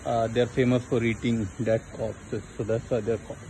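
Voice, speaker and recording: A young man with a South Asian accent and Hindi-Urdu as his native language talks in a chatty, casual vlog style. His voice sits at a medium pitch. The recording is made outdoors on a phone, with clear background noise. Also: flat delivery, moderate pace, warm tone, poor audio. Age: young adult. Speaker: vlogger. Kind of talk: casual zoo vlog chat. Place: outdoor zoo.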